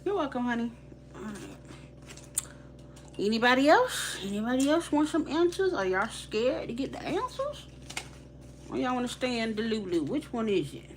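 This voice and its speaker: A woman's voice: on the high side, big pitch swings, normal speed, long pauses, a little hiss or hum. A young woman with a Haitian accent, giving live tarot readings in a casual, slangy, chatty way and laughing easily. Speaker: tarot reader.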